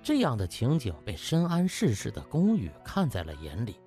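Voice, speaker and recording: A man's voice: medium pitch, wildly swooping pitch, moderate pace, a little mellow, soft background music. A man narrating a novel as an audiobook in a dramatic storytelling style.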